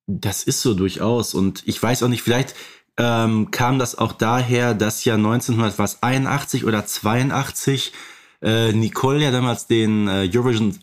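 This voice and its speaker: Man in casual, hesitant podcast chat. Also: medium pitch. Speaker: podcast co-host.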